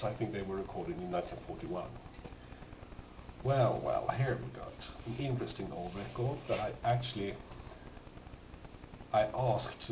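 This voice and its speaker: A man giving a casual, unscripted show-and-tell as a record collector, hesitant and rambling as he thinks aloud. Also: sits low. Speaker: record collector presenting his finds. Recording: roomy, distant, muffled, noisy home recording.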